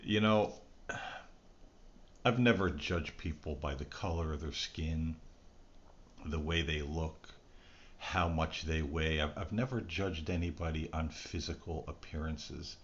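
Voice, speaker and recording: A man's voice: a bass voice, unhurried. A middle-aged man hosting a channel, speaking to camera in a casual, reflective, earnest and rambling conversational way. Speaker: host of a spirit recording channel. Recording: dull lo-fi sound with background noise.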